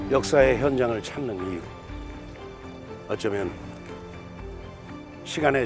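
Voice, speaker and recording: Over music in the background, a man talks at a fairly slow pace with lively intonation. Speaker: documentary narrator. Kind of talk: documentary narration.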